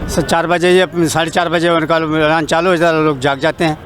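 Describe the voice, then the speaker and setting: A man's voice: on the high side, little pitch movement, fairly quick, a bit bright. A man giving his opinion in a street interview, stumbling and repeating words. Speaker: member of the public being interviewed. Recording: clearly noisy outdoor street recording.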